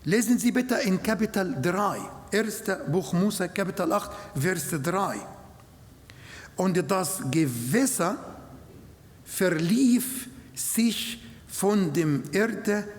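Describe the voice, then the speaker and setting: A man whose first language is Arabic, preaching a sermon in slow, halting German with non-native grammar. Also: high voice, expressive. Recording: long hall reverb.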